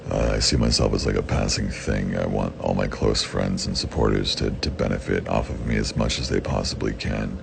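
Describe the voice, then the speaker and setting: A young man with a very deep, raspy voice, answering fan questions in blunt, profane casual talk. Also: steady tone, fairly quick, few pauses. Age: young adult. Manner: blunt and profane, with frequent swearing. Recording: background noise.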